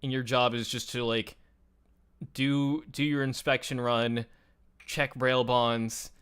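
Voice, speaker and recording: Man, show host, clean resonant voice, medium pitch, casual explanations, enthusiastic, conversational. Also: little pitch movement, takes it slowly, a bit bright, clear, resonant tone.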